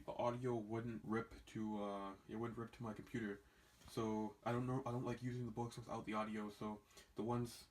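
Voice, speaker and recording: A young man talking casually to camera as a language-learning vlogger, rambling and restarting his sentences. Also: on the low side. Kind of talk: casual vlog talk. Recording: echoey room.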